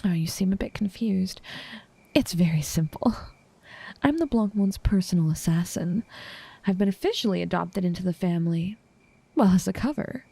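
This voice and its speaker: A woman playing an infatuated assassin in an intimate audio roleplay, composed and menacing yet tender, speaking softly and often slipping into whispers. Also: fairly low pitch, lively intonation, creaky, husky, full character voice. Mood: calm, confiding. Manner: soft, unhurried delivery slipping often into whispers.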